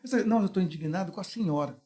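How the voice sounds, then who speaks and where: Um pastor brasileiro contando histórias num bate-papo descontraído, imitando as vozes das pessoas com animação. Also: male voice, high voice, very fast. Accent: Brazilian. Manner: animated, acts out voices in anecdotes. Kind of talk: casual storytelling chat.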